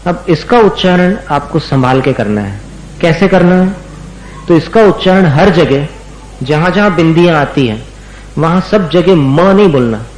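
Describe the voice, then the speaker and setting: Man, religious teacher, very slow deliberate speech, slightly high voice, echoey room with faint background noise. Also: expressive, a little mellow. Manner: patient, repeats words slowly for students to copy. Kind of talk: slow recitation lesson.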